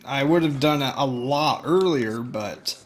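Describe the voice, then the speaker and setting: A laid-back man streams a game and answers his co-host with short, easy remarks. His voice sits at a middle pitch and stays relaxed throughout. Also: a little slow. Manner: laid-back, brief replies and asides. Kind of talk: casual live-stream chat.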